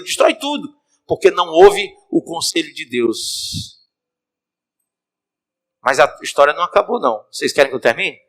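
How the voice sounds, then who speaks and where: Animated preacher telling a sermon story. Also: male voice, fairly high pitch. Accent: Cearense Brazilian Portuguese. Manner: animated, addresses the congregation directly. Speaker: bishop, preacher. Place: church.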